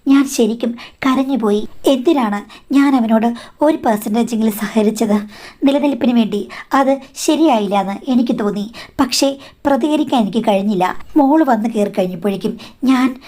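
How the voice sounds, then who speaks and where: A woman's voice: fairly high pitch, moderate pace, dark tone. A woman narrating a first-person life story in a confiding tone, addressing her listener as madam.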